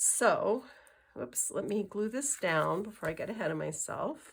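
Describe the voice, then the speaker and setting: A woman speaks at a medium pitch with lively intonation and some vocal fry. The recording is very clean with a silent background. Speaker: card-making crafter. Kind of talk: tutorial. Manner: casual, chatty.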